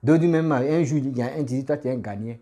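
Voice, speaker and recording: A man's voice: mid-range voice, racing, dark tone. A man who has a cold, giving a casual, insistent political rant that scolds his listeners. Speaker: political commentator.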